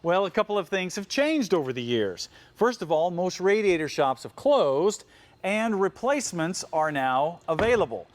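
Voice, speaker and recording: A man's voice: high-pitched, big pitch swings, moderate pace. A man hosting an automotive build show, explaining things in a folksy, instructional way. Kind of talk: instructional TV presenting.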